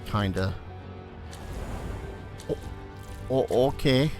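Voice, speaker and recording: Very slow and mid-range in pitch, a let's play host talks casually over the game's music, muttering to himself, cursing mildly now and then and sometimes reading the game's text aloud.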